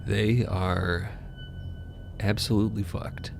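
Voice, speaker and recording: A man's voice: fairly low pitch, slow pace, vocal fry, a little hiss or hum. A man narrating a fantasy audio drama in an intense, theatrical style.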